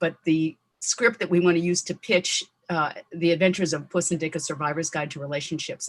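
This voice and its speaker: At a fairly quick pace, a woman with a fairly low pitch and fairly even intonation speaks in a plain, everyday voice. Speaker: voice actor. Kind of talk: interview answer.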